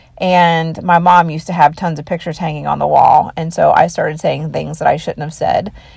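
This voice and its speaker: Amid noticeable background noise, a woman speaks in an animated tone at a fairly quick pace with hardly any pauses. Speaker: psychic medium and witch. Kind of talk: ghost story telling. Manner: conversational, animated.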